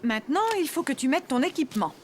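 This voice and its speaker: A gentle cartoon mom with a high voice that swings in pitch. She is patient and encouraging, with clear noise behind her. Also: expressive, fast talker. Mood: reassuring. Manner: encouraging, reassuring. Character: gentle, patient, reassuring young mother. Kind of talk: children's cartoon dialogue.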